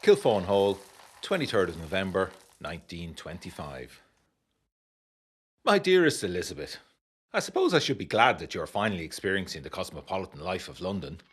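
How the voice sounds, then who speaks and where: A man playing a troubled, educated 1920s gentleman, reading a letter to his fiancée in a gothic audio drama with formal, literary, brooding delivery. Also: low-pitched, big pitch swings, fairly quick, slightly rough, full character voice. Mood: wry, longing.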